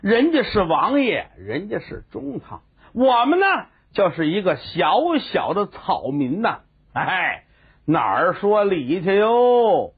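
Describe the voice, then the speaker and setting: A man's voice: sits high, huge pitch swings, takes it slowly, slightly rough, heavily acted. A man voicing a sly male minister who kneels and mutters a self-pitying complaint to himself. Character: sly middle-aged male minister kneeling in humble pretense. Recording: tinny phone-like sound.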